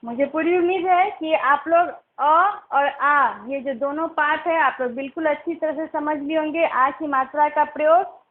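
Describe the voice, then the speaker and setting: High-voiced patient woman teacher, tinny. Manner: slow, patient, sounding out syllables. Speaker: primary school teacher. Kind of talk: recorded online class lesson. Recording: tinny phone-like recording.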